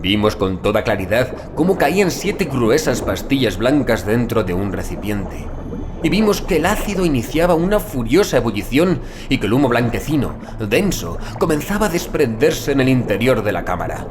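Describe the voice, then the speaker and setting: A man narrating a scripted first-person horror story in a measured, deliberate literary manner. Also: mid-range voice, very animated, noisy background. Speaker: audiobook narrator.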